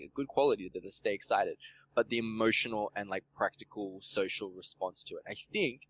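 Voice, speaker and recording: A man's voice: on the low side, rough recording. A man hosting a podcast in casual chat, rambling and filling his talk with "like", swearing now and then. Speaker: podcast host.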